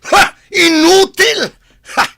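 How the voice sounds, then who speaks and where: An actor playing an angry, defiant young man in trouble with the police, taunting and shouting. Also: very high-pitched, slow pace, creaky, heavily acted.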